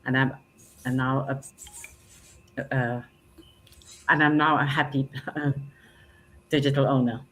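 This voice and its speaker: A woman's voice: rumbling low, fairly even intonation, slow pace, pauses often, fairly bright tone, poor audio. Hesitant grandmother from Zambia, faint noise. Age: older. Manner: hesitant, with fillers.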